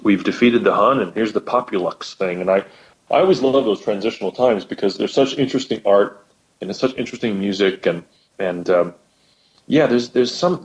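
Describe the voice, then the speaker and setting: A man talking casually as a podcast guest, thoughtful and rambling, often restarting his sentences. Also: fairly low pitch. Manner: thoughtful, rambling, frequent restarts and repeated words. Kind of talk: casual conversation about old radio comedy. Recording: lo-fi podcast audio.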